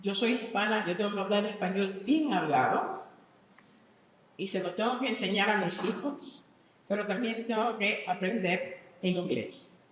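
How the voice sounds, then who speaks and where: At a moderate pace and medium pitch, a woman teaches English vocabulary in a live conference talk. She reads word lists and asks the audience questions, her voice echoing through a large hall and picked up from far off.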